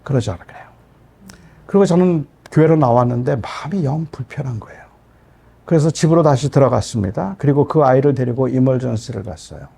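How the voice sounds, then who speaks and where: A man's voice: medium pitch, fairly quick, creaky, breathy edge. A middle-aged man, a pastor, telling a personal story in a sermon with emotional storytelling. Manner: emotional storytelling, rising to loud outbursts.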